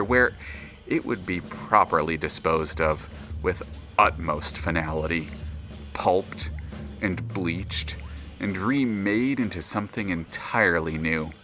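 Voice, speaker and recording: Casting: omniscient narrator for audio drama; somewhat low, measured, dry literary delivery with music underneath. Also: male voice, bright, forceful tone. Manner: deliberate, dry, literary phrasing.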